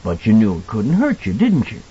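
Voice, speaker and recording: A man voicing a kindly older hotel cook in an audiobook, folksy and earnest as he gently cautions a child. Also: lowish voice, wildly swooping pitch, normal speed, dull audio, slight background noise. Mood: earnest, reassuring. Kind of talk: audiobook character dialogue.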